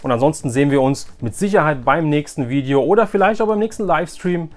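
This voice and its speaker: This man's voice sits a little high and moves fast as he chats casually and directly with his viewers. He hosts a haul vlog on YouTube and collects from flea markets.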